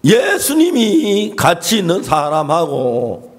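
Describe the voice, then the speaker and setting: A man preaching a sermon in church as pastor, telling stories and acting out the voices in them, often clearing his throat. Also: high-pitched, huge pitch swings, slow. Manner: storytelling, acting out the voices of the people in his story.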